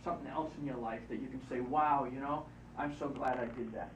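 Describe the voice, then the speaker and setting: Fast-talking man coaching in a roomy hall. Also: mid-range voice, fairly even intonation, slight background noise. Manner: coaching, repetitive, encouraging. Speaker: hypnotist. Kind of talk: guiding a live NLP exercise. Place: event room. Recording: roomy, distant, muffled live event recording.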